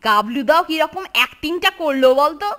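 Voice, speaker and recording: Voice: high voice, animated, fairly quick, sharp tone. A performer voicing a mischievous, eager little schoolboy in a children's cartoon, conspiratorial in manner, with music behind. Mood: gleeful. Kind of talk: Bengali children's cartoon dubbing.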